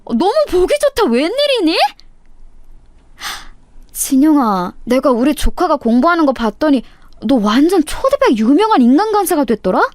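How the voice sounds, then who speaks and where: Lady doing gushy old classmates, squealing high, over the top. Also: sing-song, normal speed, darkish tone, no echo, studio quality. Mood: gushing. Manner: gushing, effusive. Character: gushing women classmates at a reunion.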